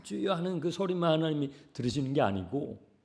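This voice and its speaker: Dramatic pastor with a gravelly, lively voice. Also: male voice, on the high side, fairly quick. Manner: dramatic, swings from hushed whispers to shouting; acts out quoted voices in the telling. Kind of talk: sermon.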